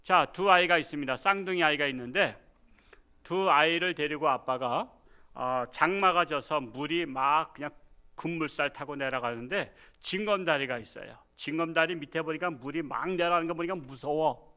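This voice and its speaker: Male pastor, bright and high, lively sermon storyteller who quizzes the congregation. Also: normal speed. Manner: animated storytelling, rhetorical questions. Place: church.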